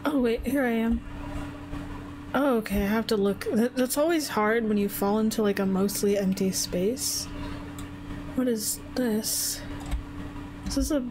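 A young adult woman streams a game with casual commentary in a fairly high voice. She chats and muses aloud to herself over clearly audible music. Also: rough recording. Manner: chatty, musing aloud. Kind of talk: casual let's-play commentary.

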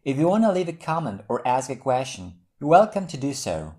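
A man hosting an English vocabulary lesson, reading example sentences and definitions slowly and clearly. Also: medium pitch, sing-song, warm tone. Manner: slow, carefully enunciated reading of example sentences. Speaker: English teacher.

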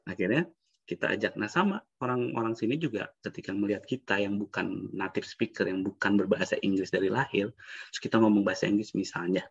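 A man's voice: fairly low pitch, fast talker, creaky, husky, dry recording, lo-fi sound. A man presenting a webinar in a chatty, casual teaching style on a video call, sometimes acting out short example dialogues. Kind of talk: casual online teaching talk.

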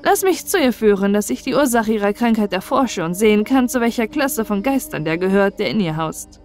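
A woman's voice: mid-range voice, animated, brisk, a little mellow, natural voice. A woman reads as a solemn young prince in a fairy tale, playing the wise astrologer. The speech is formal and declaimed, over music. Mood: grave, advising.

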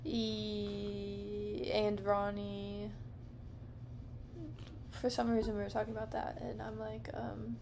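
A woman in her thirties hosting a podcast alone, rambling slowly and softly in a dim living room at night, with many fillers. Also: mid-range voice, monotone, gravelly, noisy background. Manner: slow, meandering, soft-spoken with many fillers. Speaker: podcast host. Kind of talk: rambling casual monologue. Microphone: camera close up, handheld or on a low stand.

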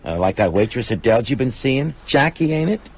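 A scheming small town businessman, husky, swingy coaxing voice, radio play. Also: medium pitch, very animated, a little fast. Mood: veiled threat. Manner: insinuating, coaxing. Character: smooth-talking, manipulative small-town businessman. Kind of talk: radio drama acting.

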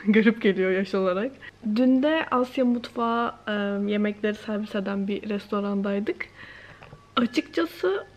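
A woman's voice: mid-range voice, fairly even intonation, normal speed, a little mellow. A woman, chatting casually to the camera in a giggly, hesitant way. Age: late twenties. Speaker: vlogger. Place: bright living room with plants by windows; some clips in a mall and restaurant. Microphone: camera at arm's length. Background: music.

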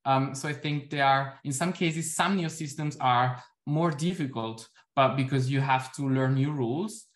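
A man's voice: mid-range voice, normal speed, few pauses. A young man presenting research on a video call, explaining steadily with frequent ums. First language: Italian. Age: young adult. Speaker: conference presenter. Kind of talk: academic talk and Q&A answer. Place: indoor room at home. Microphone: laptop webcam on a video call.

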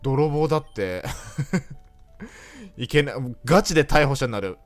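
A game streamer offers joking let's-play commentary, teasing and chatting both to himself and his viewers. His voice is a little high and sing-song, his pace slow, with faint music behind him.

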